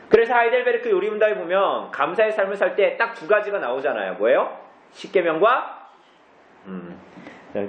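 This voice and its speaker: A man teaches a church group, his high voice rising and falling a lot. He keeps asking the congregation questions and answering them himself. He is recorded from far off in a very echoey room, and the sound is dull. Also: slight background noise. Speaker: pastor.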